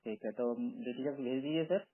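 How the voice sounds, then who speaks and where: A man's voice: mid-range voice, moderate pace. Persistent man bargaining over a tinny phone. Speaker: job candidate on a phone call. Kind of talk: informal phone negotiation. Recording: tinny recorded phone call.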